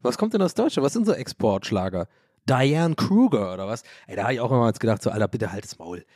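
A man from Ireland rambles through a casual podcast monologue, cracking jokes at his own expense and swearing freely. His voice sits at an ordinary middle pitch. The recording is dry and close. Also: big pitch swings, quick pace, a little mellow, dry recording. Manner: rambling, joking, self-mocking, swears casually. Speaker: podcast host.

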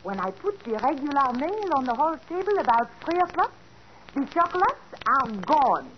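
A woman's voice: high voice, big pitch swings, normal speed. An actress playing an earnest young French lady's maid with a French accent and broken English, in a 1940s radio drama. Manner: broken English, eager to explain. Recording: dull old radio broadcast with faint hiss.

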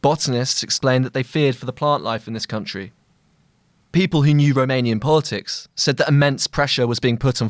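A man narrating a scripted long-read essay as a journalist, in measured, deliberate phrasing. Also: mid-range voice, no echo, studio quality.

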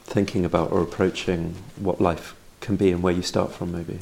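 Deep, creaky-voiced man, reflective. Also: flat delivery, moderate pace, a little mellow, a little hiss or hum. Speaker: podcast interviewer. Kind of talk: reflective literary conversation. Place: in-person conversation at an institute.

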